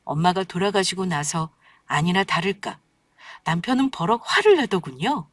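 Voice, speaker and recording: A woman's voice: lowish voice, very animated, moderate pace, fairly bright tone, no room sound. A woman narrating a scripted true-life story in a wry, pointed way, voicing her own lines too.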